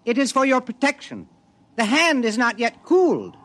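An eerie formal stranger, high and bright. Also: male voice, huge pitch swings, normal speed, full character voice. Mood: eerie calm. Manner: formal, stiff, oddly literal speech. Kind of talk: 1950s radio drama acting. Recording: lo-fi old radio broadcast.

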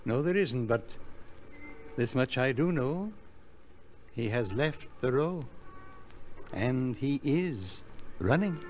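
An actor playing an earnest, cryptic skid row philosopher in old radio style, with formal, preachy, halting speech. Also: male voice, mid-range voice, animated, over music. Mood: earnest warning. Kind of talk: old-time radio acting. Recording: old radio recording, faint noise.

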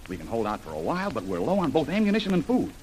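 A man's voice: mid-range voice, wildly swooping pitch, rapid-fire, darkish tone, a little hiss or hum, low-quality recording. An actor playing a bold, confident male jungle adventurer who takes charge in an old radio serial.

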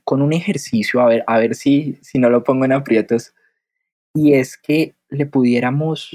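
A man's voice: mid-range voice, a little mellow, no echo. Host, male, Bogotá accent, curious, stumbles over words, dry close sound. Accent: Bogotá Colombian Spanish. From Colombia, Bogotá. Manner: stammering repetitions, friendly and curious. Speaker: podcast host. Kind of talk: interviewer framing questions.

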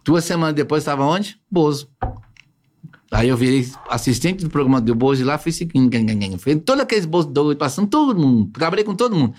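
Animated, fast-talking male storyteller. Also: fairly high pitch. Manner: animated, slangy, acts out quotes. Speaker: guest. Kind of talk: storytelling in casual podcast chat.

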